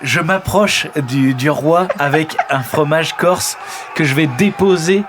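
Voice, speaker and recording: A man playing in an improvised tabletop game, halting with many fillers and laughing at himself. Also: on the high side, noisy background. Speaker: player. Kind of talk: improvised role-play.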